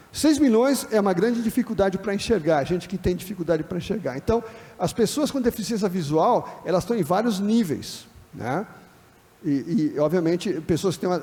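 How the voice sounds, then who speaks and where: High-voiced Brazilian pastor lecturing in a hall. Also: male voice, warm tone. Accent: Brazilian Portuguese. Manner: conversational, often checks in with the audience ("tá vendo?"); acts out quoted dialogue in other voices. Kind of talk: classroom lecture on church and disability. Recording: hall with long reverb.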